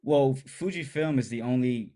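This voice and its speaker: A man's voice: mid-range voice, normal speed. A man in his thirties, a guest photographer, talking casually with a nasal voice from a cold. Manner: relaxed, rambling with restarts and laughs. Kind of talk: casual podcast chat.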